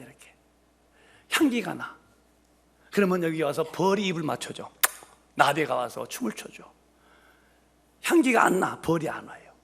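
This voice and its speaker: Animated, gravelly-voiced pastor in his fifties. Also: a little high. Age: 50s. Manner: animated, joking, rhetorical questions to the congregation. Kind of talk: humorous sermon. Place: church sanctuary.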